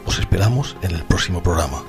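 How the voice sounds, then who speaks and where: A paranormal radio host with a Spain accent. His deep voice delivers scripted lines in a formal, solemn, measured way. Music plays clearly underneath. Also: expressive. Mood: solemn, assured. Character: male late-night paranormal radio show host.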